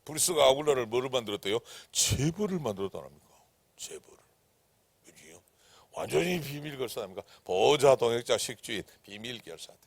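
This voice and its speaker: 목사님, 거친 목소리로 크게 외쳤다 속삭이는 설교. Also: male voice, medium pitch, animated, fairly quick, no echo. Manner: swings from loud emphatic declarations to hushed whispers; asks the congregation rhetorical questions. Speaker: pastor. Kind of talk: sermon. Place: church sanctuary.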